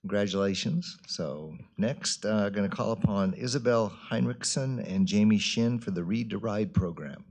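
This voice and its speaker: Male mayor, low voice, informal chairing of a public meeting. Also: moderate pace, gravelly, few pauses, a little mellow. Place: council meeting room.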